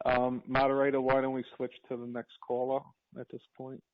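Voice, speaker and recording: Male company executive, low and even delivery, halting, repeats words, conference-call phone audio. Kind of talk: answering questions on an earnings conference call. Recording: tinny narrow phone line.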